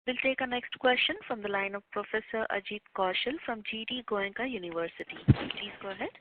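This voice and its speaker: A woman's voice: medium pitch, fairly quick. A woman working as a conference call operator, moderating in a scripted, formal style. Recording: dry, narrow phone line.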